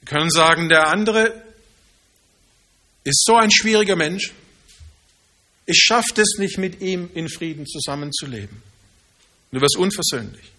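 A man preaching a sermon in earnest, slowing down to stress key phrases. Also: on the high side, lively intonation, pushed and bright.

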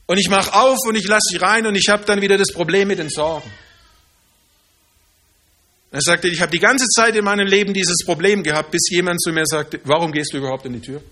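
A man preaching a sermon in earnest, slowing down to stress key phrases. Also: high voice, pushed and bright.

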